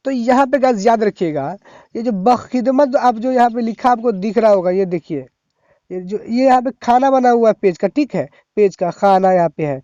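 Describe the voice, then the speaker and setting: A man teaching in a casual, chatty way, talking fast, tripping over words and checking in often with the viewer. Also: sits high, dark tone, no echo. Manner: chatty, repeats "thik hai" and "hai na". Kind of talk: casual tutorial. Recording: dull lo-fi sound.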